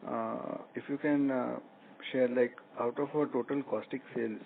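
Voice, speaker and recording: A man asking questions as an analyst on an earnings call, polite and halting. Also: mid-range voice, fairly even intonation, vocal fry. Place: conference call by phone. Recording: narrow phone line with faint hum.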